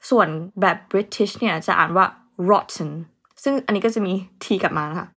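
A woman's voice: mid-range voice, brisk, sharp tone, slightly rough. A young woman hosting a casual vocabulary lesson, chatting easily and spelling words out letter by letter. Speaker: English teacher host.

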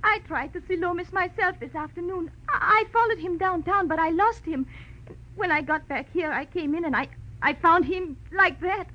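A woman's voice: very high-pitched, normal speed. A woman playing a frightened, secretive woman in a 1940s radio drama, pleading in a faltering, melodramatic way. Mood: anxious pleading. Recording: muffled old radio recording.

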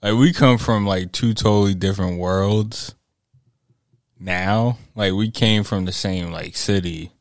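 A man's voice: on the low side, a little slow, no echo, clean studio sound. A man in his thirties chatting on a podcast, crude and jokey, rambling with lots of fillers. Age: 30s. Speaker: podcast co-host. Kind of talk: casual podcast banter.

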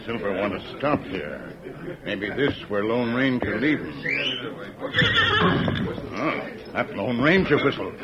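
An actor playing a loyal, earnest Native American sidekick in an old radio western, speaking in slow, halting broken English. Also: male voice, medium pitch, expressive. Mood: alert. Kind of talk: 1940s radio western acting. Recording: noisy, muffled old radio recording.

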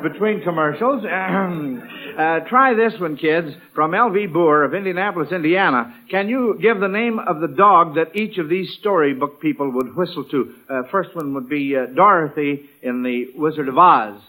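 A man with a fairly high, very bright and forceful voice hosts an old-time radio quiz. He talks to contestants in an encouraging, chatty way, on a vintage broadcast recording. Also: normal speed, rough recording. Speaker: quiz show host. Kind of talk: classic radio quiz show hosting.

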